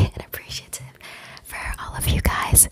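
The woman speaks in a whisper. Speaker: ASMR creator. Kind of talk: soft ASMR roleplay chat. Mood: warm and grateful. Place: home room.

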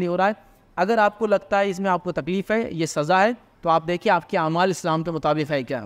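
This man's voice sits at a high pitch. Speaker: Islamic preacher. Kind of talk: sermon-style religious lecture, preacher in full flow, impassioned. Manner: animated, emphatic; rapid-fire rhetorical questions, rising intensity. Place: studio. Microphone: podium.

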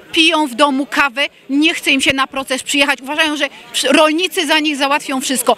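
A woman's high, raised, projected voice with a Polish accent, very fast and monotone in flat intonation, in a dry sound with no echo. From Poland. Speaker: protest participant. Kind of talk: angry rant. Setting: outdoors. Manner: indignant, emotional. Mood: angry, indignant. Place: street. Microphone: handheld.

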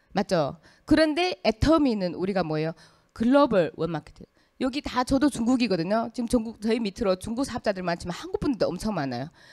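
The pace is fairly quick. The background is quiet. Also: woman, fairly high pitch for a woman. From China. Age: 30s. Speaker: business presenter. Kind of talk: sales pitch. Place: classroom. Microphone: handheld.

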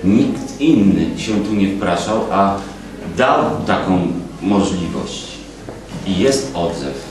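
Over noticeable background noise and audible room echo, a man with a fairly low pitch speaks very slowly with lively intonation and long, frequent pauses. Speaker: assembly delegate. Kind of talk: speech at assembly. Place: meeting room. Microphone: camera far.

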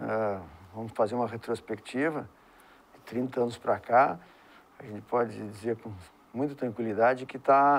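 Here a man talks at a fairly slow pace with ordinary pitch variation. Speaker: guest. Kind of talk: interview answer. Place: studio. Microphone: lapel.

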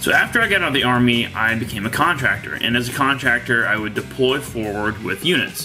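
A man talking at a fairly quick pace, with ordinary pitch variation and clear music in the background. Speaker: presenter. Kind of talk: devotional talk with personal story. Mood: calm, reflective. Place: home room. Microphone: studio mic.

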